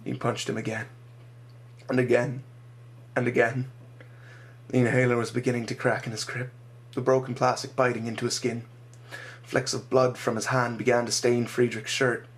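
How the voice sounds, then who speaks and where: Man narrating his own story, measured pace, mid-pitched voice. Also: level tone.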